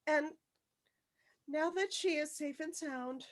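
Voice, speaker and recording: A woman playing an awkward, earnest, dejected junior high schoolgirl in a screenplay table read, speaking in a halting, plain way. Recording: video call.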